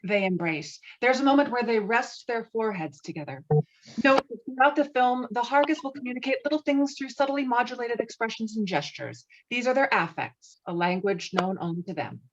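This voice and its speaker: A woman's voice: fairly high pitch, animated, fairly quick. Woman narrating screenplay directions, slightly muffled. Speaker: narrator reading stage directions. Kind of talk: scripted screenplay narration at a table read. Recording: slightly muffled online call audio.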